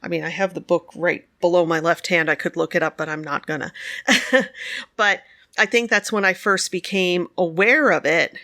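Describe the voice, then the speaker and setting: A woman's voice: fairly low pitch, normal speed, bright, forceful tone, dry recording, clean studio sound. A woman co-hosting a podcast, chatting casually and telling stories with frequent laughter. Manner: chatty, laughs often, storytelling. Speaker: podcast co-host. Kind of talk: casual conversation.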